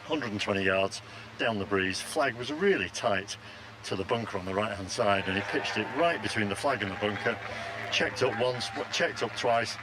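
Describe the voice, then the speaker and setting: A man's voice: fairly low pitch, moderate pace. A man giving conversational golf commentary, enthusiastic and descriptive about the shots. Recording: clear outdoor background noise.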